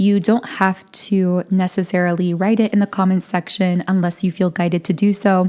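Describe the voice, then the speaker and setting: Over noticeable background noise, the speaker talks in a flat monotone at a fairly slow pace. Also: woman. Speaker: tarot reader. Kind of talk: tarot reading.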